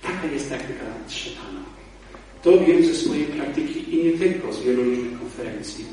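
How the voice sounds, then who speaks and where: A man, a priest and exorcist, giving a lively, conversational talk to a church audience, shifting between loud emphasis and low asides. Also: normal speed. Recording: echoey hall, mic far off.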